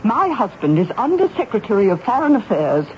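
A woman's voice: on the high side, big pitch swings, fairly quick. A haughty noblewoman of 1970s radio drama, speaks with formal, cutting disdain. Her intonation swings widely, and the recording is dull with faint noise. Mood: imperious disdain. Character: haughty, indignant English noblewoman, accused as a conspirator. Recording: muffled, lightly noisy 1970s radio recording.

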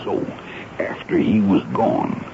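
A dull, noisy vintage radio recording features a folksy army sergeant. His voice is extremely deep and gravelly, rising and falling in lively swings as he reports deferentially in plain, ungrammatical speech. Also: slow pace. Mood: eager, confidential. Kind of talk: 1970s radio drama acting. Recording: muffled, hissy 1970s radio broadcast.

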